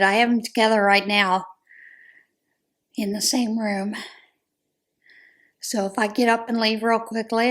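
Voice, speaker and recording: A hoarse American woman chatting casually in a crochet vlog, rambling a little with frequent ums. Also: mid-range voice. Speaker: crochet vlogger. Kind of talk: casual chat.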